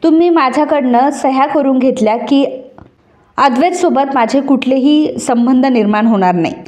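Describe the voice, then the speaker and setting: Woman reading as a playful young wife in a storybook recap; high, soft tone, teasing. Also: normal speed, natural voice. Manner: chatty, teasing.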